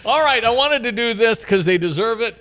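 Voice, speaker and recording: A man hosting a casual sports radio chat, chatty and quick to laugh, often restarting his sentences. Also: very high-pitched, lively intonation, bright, forceful tone. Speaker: radio show host.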